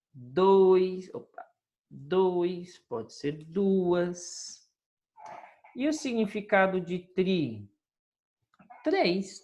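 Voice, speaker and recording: A woman teacher walks her class through homework in a recorded lesson. Her voice sits low but swings widely in a sing-song way, and she takes her time. She is patient and keeps checking that everyone is following. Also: a little mellow.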